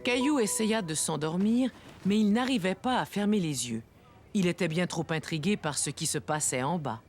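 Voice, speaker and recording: A woman playing a gentle storyteller, narrating a children's cartoon. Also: lowish voice, lively intonation, normal speed, soft background music, natural voice. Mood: storytelling.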